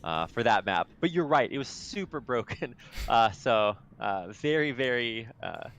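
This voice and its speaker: A man casting a strategy video game, chatting and rambling between plays and rising with excitement when the action heats up. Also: mid-range voice, a little slow, slight background noise. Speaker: esports caster. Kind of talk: play-by-play commentary.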